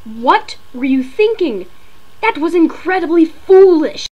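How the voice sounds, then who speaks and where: A woman's voice: very high voice, big pitch swings, unhurried, dull audio, voice pushed up, exaggerated voice. A woman playing a stern, formal female leader who speaks with authority, in an amateur character audition. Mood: scolding.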